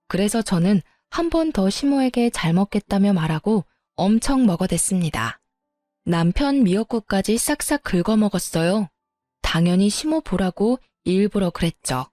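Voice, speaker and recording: A woman narrating a family story in the first person, in an even storytelling manner. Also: mid-range voice, no echo, studio quality. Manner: even, storytelling, politely firm in quoted lines.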